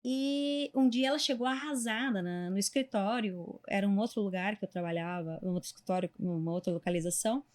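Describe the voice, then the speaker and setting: A woman lawyer who tells a case story in measured, hesitant phrases and keeps checking in with "né?". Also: mid-range voice, a little mellow. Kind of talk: conversational storytelling.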